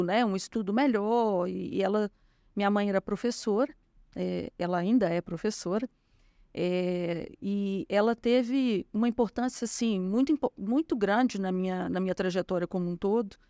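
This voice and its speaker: A woman's voice: medium pitch, dry recording, clean studio sound. A woman from Minas Gerais, Brazil, with a Minas Gerais accent, a guest telling her life story in an interview, full of small fillers. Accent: Minas Gerais Portuguese. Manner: warm storytelling with frequent fillers. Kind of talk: conversational interview.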